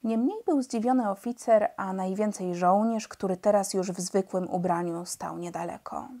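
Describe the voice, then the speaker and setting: A woman narrates a children's novel with lively, expressive storytelling. Her voice sits at a typical middle pitch for a woman. She reads steadily for young listeners. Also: normal speed. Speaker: audiobook narrator. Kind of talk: reading a children's novel aloud.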